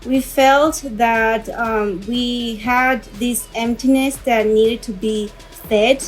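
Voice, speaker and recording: A young woman from the Dominican Republic, a fashion designer, giving measured interview answers with pauses. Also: on the high side, fairly even intonation, faint music behind, poor audio. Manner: measured, thoughtful with filler pauses.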